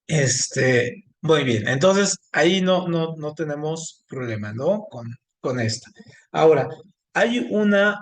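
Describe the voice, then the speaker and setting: A man teaching an online class, speaking haltingly with many fillers and restarts. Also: fairly high pitch. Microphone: video call.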